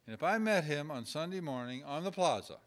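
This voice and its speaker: A man giving a relaxed teaching talk on caregiving, halting with fillers and restarts as he works through numbered points. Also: on the high side. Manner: unhurried, halting with many fillers, acts out sample dialogue. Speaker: church caregiving trainer.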